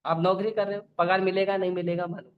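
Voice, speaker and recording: Man preaching, high voice, rhetorical questions, repeating lists, dull lo-fi sound. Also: flat delivery, quick pace. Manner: repetitive listing. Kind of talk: Gita lecture.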